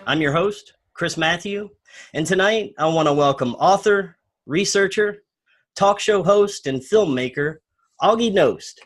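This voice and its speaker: Male show host, fairly high voice, upbeat and admiring. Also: expressive, unhurried, fairly bright tone. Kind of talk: hosting an interview.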